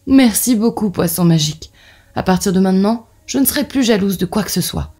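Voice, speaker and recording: A woman's voice: mid-range voice, expressive, fairly quick, warm tone, slightly rough, soft background music. A woman voicing a jealous, demanding sister-in-law in a children's fairy tale cartoon, emphatic and dramatic. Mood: grateful.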